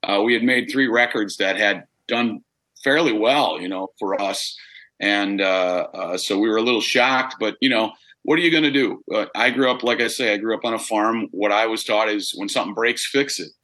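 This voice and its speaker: Casting: male rocker, big forceful lowish voice, easygoing chat with fillers. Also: normal speed. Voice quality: big-sounding voice. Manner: relaxed, rambling with fillers and restarts. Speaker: rock singer interviewed as guest. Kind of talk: casual interview answers.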